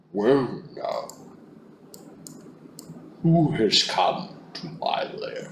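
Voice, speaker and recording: A man in a put-on character voice at a very slow pace, with long, frequent pauses. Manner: menacing.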